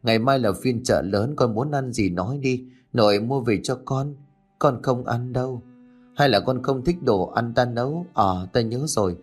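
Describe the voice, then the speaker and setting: A man voicing a humble, grieving old grandmother in a spoken ghost story, talking in a gentle, coaxing way. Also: mid-range voice, normal speed, slightly rough, soft background music, natural voice. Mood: tender, coaxing.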